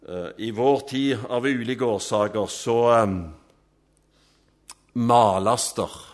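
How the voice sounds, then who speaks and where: A man preaching a sermon, emphatic, rising to loud swells and dropping to soft, low endings.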